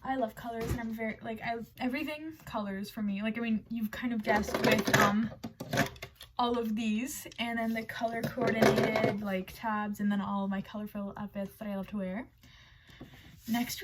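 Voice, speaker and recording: A woman's voice: fairly high pitch, slight background noise. A young woman showing off a haul, chatting casually in a bubbly, rambling way with many restarts. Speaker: book vlogger.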